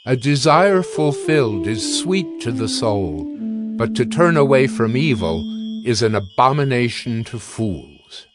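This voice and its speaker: A man of medium pitch reads scripture as a narrator. He goes slowly and deliberately, with a declarative delivery suited to a dramatized audio Bible. Music plays clearly underneath. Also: very animated. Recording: instrumental music bed. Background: instrumental music.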